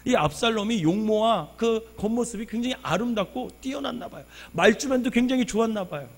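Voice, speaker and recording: A male pastor preaching a sermon, telling a personal story with sudden loud bursts and quiet asides. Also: high voice, animated, brisk.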